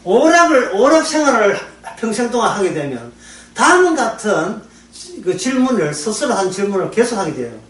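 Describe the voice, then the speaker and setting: Lively male pastor, casual lecture-sermon delivery, recorded off-mic in a roomy space. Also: high voice, moderate pace. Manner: lively, conversational, laughing often, acting out prayers. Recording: echoey room, voice from far off the mic.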